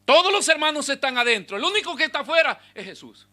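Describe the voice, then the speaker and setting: A man preaching a sermon as pastor, swinging between loud exhortation and hushed asides to the congregation. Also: extremely high pitch, very animated, quick pace. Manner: speaks directly to the congregation with rhetorical questions.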